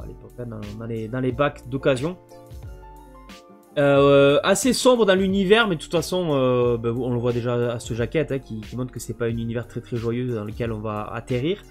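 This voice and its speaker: A man's voice: mid-range voice, normal speed, a little mellow, faint music behind. A man casually presenting his video game collection, hesitant and full of fillers. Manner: hesitant, many fillers and restarts.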